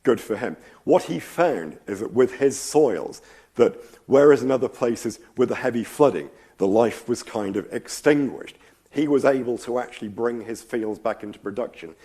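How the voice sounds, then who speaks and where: Male lecturer, slight cold, voice a bit worn, thoughtful and rambling, mid pitch. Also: lively intonation, moderate pace, dark tone, husky. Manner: thoughtful, rambling, frequent ums and asides. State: slight cold, losing his voice. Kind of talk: public science lecture. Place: lecture hall.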